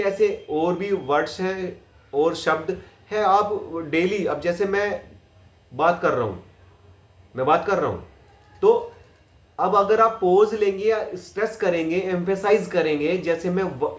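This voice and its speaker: Slow-speaking man teaching acting, echoey room. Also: sits high. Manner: slow, deliberate, repeats lines with varied pauses and stress. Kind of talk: acting lesson.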